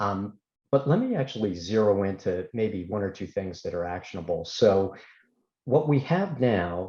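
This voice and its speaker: A man with an East Coast US accent speaks at a fairly low pitch with a dark, mellow tone and a somewhat breathy quality. His intonation is lively, his pace moderate, and the background quiet. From US East Coast. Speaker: agricultural finance economist. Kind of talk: interview.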